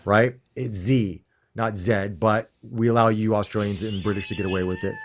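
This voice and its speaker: Animated American man, lowish voice. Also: a little fast, a little hiss or hum. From United States. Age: middle-aged. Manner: animated, emphatic, restarts phrases. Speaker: co-host. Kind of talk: casual live-stream chat.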